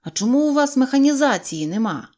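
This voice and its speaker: A woman voicing a calm, practical young male mechanic who explains things patiently. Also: sits high, fairly quick, voice pushed up. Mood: reasoning. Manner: calm, reasoning.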